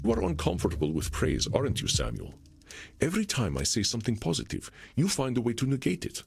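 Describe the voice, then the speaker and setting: An actor playing an ancient, powerful vampire mentor in a video game, solemn and kindly, with formal, measured, eloquent phrasing. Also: male voice, medium pitch, wildly swooping pitch, gravelly, slightly rough, dry recording, full character voice. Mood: gentle, wise. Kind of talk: visual novel game voice acting. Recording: music playing behind the voice.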